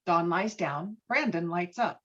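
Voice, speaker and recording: A woman's voice: fairly low pitch, animated, a little slow, a bit bright, highs cut off. A woman reading screenplay stage directions as scripted narration in a virtual table read.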